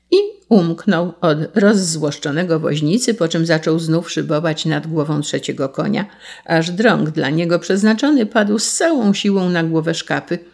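Slow lady reading a fairy tale, lowish voice, creaky. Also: a little mellow. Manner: slow, measured, deliberate. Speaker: narrator. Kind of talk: storybook reading.

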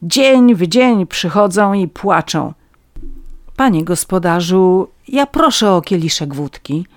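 A reader voicing a fawning, red-nosed petty scribe, a man who begs for vodka and wheedles his listeners in a high, eager voice. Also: expressive, takes it slowly, no room sound, clean studio sound. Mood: wheedling. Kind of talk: audiobook reading.

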